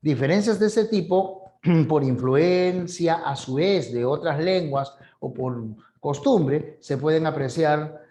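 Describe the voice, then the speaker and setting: A man's voice: on the high side, slow, few pauses, mellow. Peruvian man teaching, chatty and explanatory. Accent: Peruvian coastal Spanish. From Peru. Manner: conversational, frequent "¿no?" tags, acts out examples. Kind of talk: explanatory video lesson.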